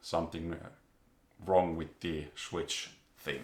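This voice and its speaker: A man speaks with a Finnish accent, and room echo can be heard around his voice. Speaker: car repair video maker. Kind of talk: vlog tutorial. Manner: halting, hesitant.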